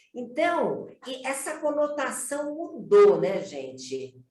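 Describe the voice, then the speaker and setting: A woman's high-pitched voice at a very slow pace, lively in intonation, with audible room echo. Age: 70s. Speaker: panelist. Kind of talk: panel discussion.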